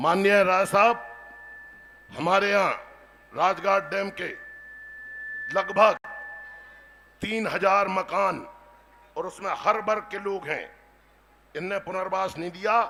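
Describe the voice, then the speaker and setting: A raised, projected voice comes through with long, frequent pauses over noticeable background noise. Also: man, high pitch for a man. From Madhya Pradesh, Chanderi area. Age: 60s. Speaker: politician, former legislator. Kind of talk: political rally speech. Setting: stage with audience. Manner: loud, fiery.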